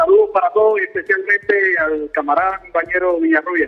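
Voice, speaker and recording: A man's high voice at a very fast pace, with ordinary pitch variation and noticeable background noise. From Cuba. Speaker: caller. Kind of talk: phone-in political commentary.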